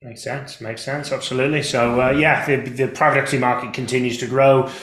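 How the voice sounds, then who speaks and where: A man's voice: medium pitch, level tone, fairly quick, fairly bright tone, roomy sound. A man hosting a business podcast, welcoming a guest and asking questions in an upbeat, affirming way. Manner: upbeat, affirming, "makes sense" and "absolutely". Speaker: podcast host.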